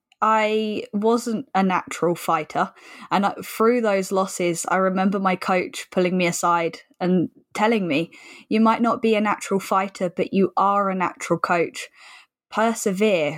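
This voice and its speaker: Someone speaks at a fairly slow pace in a southern English accent. The recording is very clean, with a silent background. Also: woman. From England. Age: 20s. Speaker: kickboxing champion and speaker. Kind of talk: interview.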